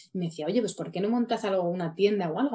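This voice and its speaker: A woman's voice carries a dark, mellow tone. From Madrid, Spain. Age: 30s. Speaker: beauty entrepreneur. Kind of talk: casual interview.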